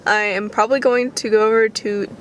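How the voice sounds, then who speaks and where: A young adult woman with a croaky, just-woken voice, chatting casually to her vlog in a playful, self-mocking way. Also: a little high, steady tone, fairly quick, a little hiss or hum. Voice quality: croaky morning voice.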